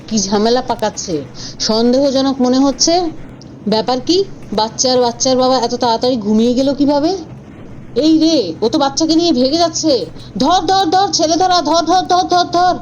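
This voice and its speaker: A woman voicing an excitable, suspicious and stubborn young boy in an animated cartoon, speaking colloquially and dramatically. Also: sits high, fairly quick, a little hiss or hum, close to an everyday voice. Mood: urgent, alarmed. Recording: dull audio with faint background music.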